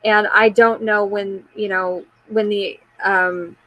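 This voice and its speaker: A woman's voice: medium pitch, little pitch movement, slow pace, fairly bright tone, rough recording. Candid rambling woman in her forties. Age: 40s. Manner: candid and rambling, answering viewer comments; frequent fillers and trailing restarts. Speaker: live chat host. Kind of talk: casual live-stream chat.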